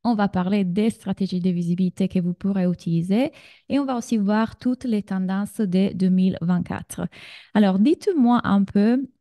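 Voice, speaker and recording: A woman's voice: mid-range voice, moderate pace, warm tone, no room sound, studio quality. A woman from Sardinia in her thirties with an Italian accent, leading a live online masterclass as a business coach and chatting directly with her audience. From Sardinia, Italy.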